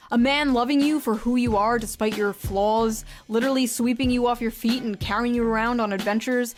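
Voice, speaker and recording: A woman commentator delivering scripted opinion commentary in a blunt, sarcastic way. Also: fairly high pitch. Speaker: video commentator. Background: background music.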